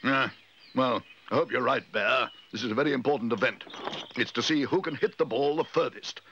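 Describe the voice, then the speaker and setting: A man's voice: mid-range voice, a little fast, pushed and bright, highs cut off. A man voicing a pompous, bossy, irascible neighbour who blusters indignantly in a children's storybook reading.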